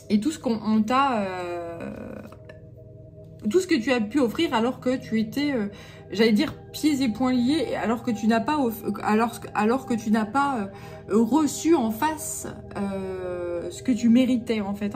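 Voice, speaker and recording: A woman with a Jura accent giving an unscripted channeled guidance reading, halting with many fillers and restarts and given to self-mocking humor. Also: on the high side, a little mellow. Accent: Jura French. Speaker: spiritual channeler.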